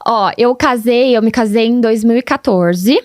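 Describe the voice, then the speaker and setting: A woman in her thirties with a São Paulo interior caipira accent, a podcast guest telling stories in an animated, casual way. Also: a little high, a little slow, no echo, clean studio sound. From Piracicaba, São Paulo state, Brazil. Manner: animated, acts out dialogue, laughs often. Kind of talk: casual storytelling chat.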